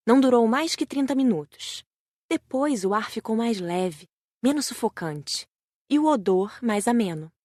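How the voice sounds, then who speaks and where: A woman's voice: medium pitch, no echo, studio quality. A woman with a Brazilian accent reading scripted audiobook narration.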